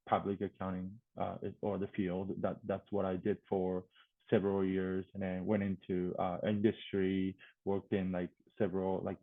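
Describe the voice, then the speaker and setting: Thin, phone-like audio carries a fairly low male voice with a Japanese accent. He answers interview questions casually, hesitating and searching for words as he goes. The sound is dry, with little room in it. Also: dry recording. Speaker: interview guest.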